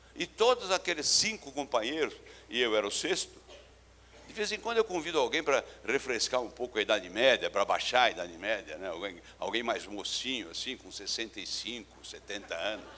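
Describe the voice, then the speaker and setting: With a bright, sharp tone, a man speaks at a fairly quick pace, his loudness swinging widely and his pitch swinging very widely. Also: medium pitch for a man. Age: 80s+. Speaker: insurance executive and speaker. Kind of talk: lecture.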